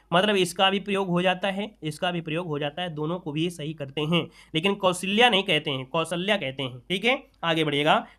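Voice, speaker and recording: A man's voice: high-pitched, sharp tone. A man teaching a Hindi spelling lesson for exam preparation. He says each word several times, asks his own questions and answers them, and keeps calling his listeners friends.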